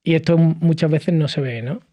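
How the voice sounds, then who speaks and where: A man from Cádiz in his thirties, speaking as a podcast guest in a lively conversational way, with frequent fillers and restarts. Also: on the high side, moderate pace, dry recording. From southern Spain, Cádiz. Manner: animated storytelling with many fillers and restarts. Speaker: podcast guest, hospitality entrepreneur. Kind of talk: conversational interview.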